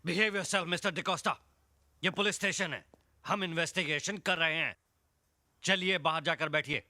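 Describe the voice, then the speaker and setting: A man's voice: fairly high pitch, normal speed, sharp tone. An actor playing a stern police inspector, commanding as he interrogates a suspect in a Hindi film scene.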